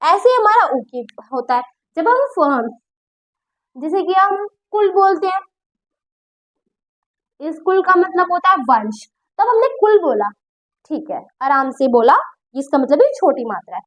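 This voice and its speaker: A woman with a very high, lively voice gives a grammar lesson. She is patient and repeats each point, and she keeps checking that her students follow along. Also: a little slow, long pauses. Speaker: Hindi grammar teacher. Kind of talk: classroom-style lesson explaining at a board.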